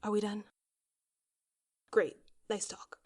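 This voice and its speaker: A woman's voice: medium pitch, level tone, slow, mellow. A woman playing a bitter, guarded, sarcastic woman in a sci-fi audio drama, curt and profane. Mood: bitter, irritated.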